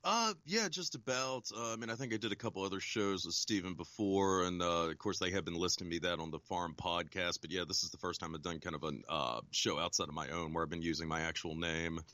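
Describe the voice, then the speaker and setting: Deep-voiced guest author, dry sound. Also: male voice, pushed and bright, no room sound. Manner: measured, explanatory, many ums. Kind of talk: interview answers.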